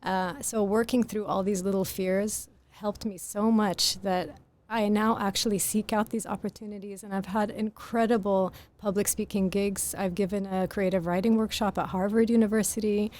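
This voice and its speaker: Soft-spoken woman author, podcast guest, earnest and articulate, mid pitch. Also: fairly even intonation, normal speed, few pauses. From grew up in Greece. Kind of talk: podcast interview.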